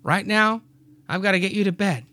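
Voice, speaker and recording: A man voicing a young farm wife, in a high put-on voice that slides into a southern drawl. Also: moderate pace, pushed and bright. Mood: teasing.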